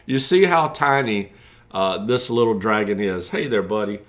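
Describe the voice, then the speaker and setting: Homem falando de forma descontraída. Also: male voice, lowish voice, expressive, normal speed, a bit bright. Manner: conversational, folksy, many fillers. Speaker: reptile breeder. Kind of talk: casual explanatory chat.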